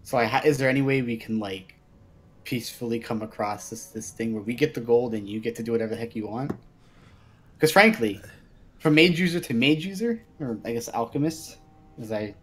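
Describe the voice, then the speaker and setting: A man's voice: mid-range voice, a little fast, slightly rough. A man chatting casually as a player in a roleplay game, informal and a little hesitant as he improvises. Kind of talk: casual in-character improvised chat.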